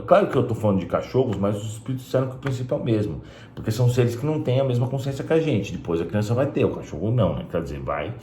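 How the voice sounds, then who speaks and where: A man's voice: fairly low pitch, darkish tone, a little hiss or hum. A man giving a blunt, emphatic casual talk to camera as a spiritist video host. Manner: blunt and emphatic, with frequent "né?" asides. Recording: roomy echo.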